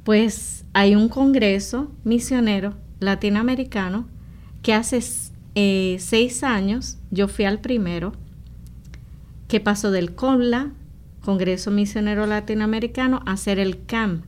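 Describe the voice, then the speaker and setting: Lady missionary chatting in an interview, earnest, explains stuff, mid pitched voice. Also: a little slow, a little mellow, a little hiss or hum. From Puerto Rico. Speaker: missionary nun, interview guest. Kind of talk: conversational interview testimony.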